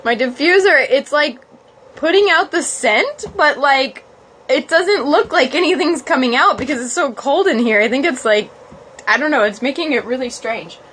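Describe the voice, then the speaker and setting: A woman with a rather high voice hosts a casual livestream about yoga. She is informal and chatty, like someone talking to followers from a small room at home. The phone recording carries a light layer of background noise. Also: lively intonation, normal speed, fairly bright tone. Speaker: yoga blogger hosting a livestream. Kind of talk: casual livestream chat, with halting read-aloud. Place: small, cold, uninsulated cottage room.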